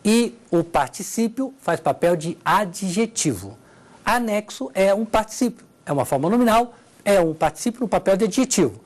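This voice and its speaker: A woman's voice: mid-range voice, expressive, moderate pace, a little mellow. A woman teaching Portuguese grammar in a televised lesson, walking through examples and checking in with her listeners. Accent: Brazilian Portuguese.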